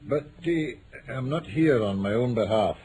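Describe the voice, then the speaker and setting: An actor playing a bluff, middle-aged gentleman client in a vintage radio drama, speaking earnestly, haltingly and uneasily. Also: medium pitch, animated, close to an everyday voice. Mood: guarded. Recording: noisy old radio drama recording.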